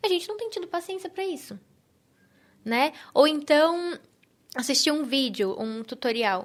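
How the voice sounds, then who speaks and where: A woman with a high pitch speaks at a fairly slow pace, her pitch swinging very widely. She takes long, frequent pauses. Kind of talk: casual chat.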